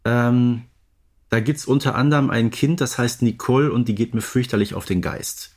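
A man's voice: medium pitch, normal speed, darkish tone. A man co-hosting a podcast in casual, unscripted conversation. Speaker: podcast co-host.

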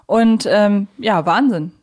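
A woman's voice: medium pitch, slow pace, a little mellow. A woman with a German accent co-hosting a podcast, casually discussing audio plays in a chatty, conversational way. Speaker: podcast co-host.

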